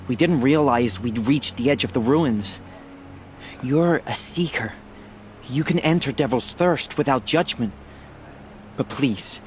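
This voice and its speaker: A man plays a haunted tribal warrior from a game, shaken and pleading. His medium-pitched voice comes haltingly, with faint noise behind it. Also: lightly acted. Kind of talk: video game dialogue acting.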